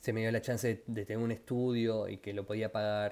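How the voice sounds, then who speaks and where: In an Argentine accent, a man talks at a moderate pace and medium pitch. His tone is dark and mellow, with fairly even intonation. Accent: Rioplatense Argentine Spanish. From Argentina. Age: 30s. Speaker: street artist. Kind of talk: casual interview.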